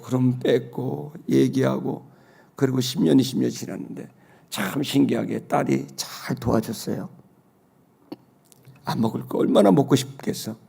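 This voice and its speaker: A middle-aged male pastor preaching a Sunday sermon, telling a personal story with loud exclaims and soft low asides. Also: gravelly.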